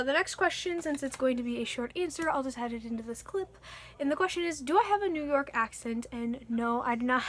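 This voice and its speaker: Chatty young woman, high voice. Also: fairly bright tone. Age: young adult. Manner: chatty and earnest, frequent likes and fillers. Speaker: vlogger. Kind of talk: casual Q and A vlog.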